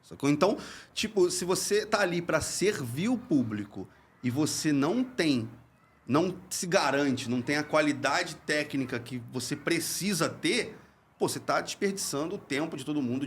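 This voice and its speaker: A man's voice: on the high side, lively intonation, normal speed, slight background noise. A man who teaches comedy, talking casually on a podcast, earnest and explanatory, often repeating words as he searches for them. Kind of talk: casual chat.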